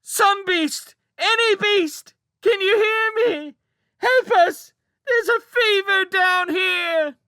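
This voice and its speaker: A man voicing a loud, mischievous young male mouse who howls in a piercing yell in an audiobook. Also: extremely high pitch, slow, dry recording, clean studio sound, pitched above the performer's own voice, exaggerated voice. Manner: piercing yelling, howling for help. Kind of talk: audiobook character voice.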